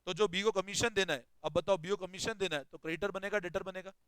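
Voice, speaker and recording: A man's voice: high-pitched, steady tone, quick pace, a bit bright, clean tone, no echo, low-quality recording. A man teaching an accounting class, explaining step by step and questioning his students as he goes. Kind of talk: classroom lecture.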